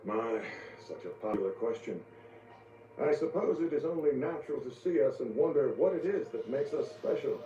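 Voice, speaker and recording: A man's voice: medium pitch, dark tone, natural voice. An actor playing a snooty, refined upper-class man in a video game, speaking with a polished, condescending drawl. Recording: muffled distant game audio with roomy echo.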